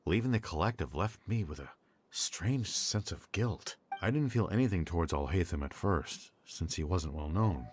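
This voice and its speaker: A man's voice: low-pitched, animated, moderate pace, slight background noise. An actor playing a sober, guilt-ridden male scholar in a video game, serious and reflective. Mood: guilty reflection.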